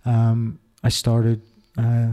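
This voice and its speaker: A middle-aged Irish man speaks candidly as an interview guest, reflective and halting, restarting his sentences often. His mid-range voice has a dark tone, and his delivery is completely flat.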